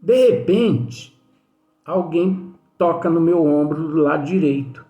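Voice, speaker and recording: A man's voice: a little high, slow pace, mellow, muffled recording. A man giving a spiritist study lesson in a conversational way, telling anecdotes and often tagging sentences with questions to his listeners. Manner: chatty, leans on tag questions. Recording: echoey room with faint music.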